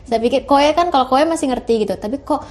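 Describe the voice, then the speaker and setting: A woman's voice: sits high, fast talker. A young woman, a university student, chatting casually as a podcast guest and laughing through her stories. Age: young adult. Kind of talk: casual chat.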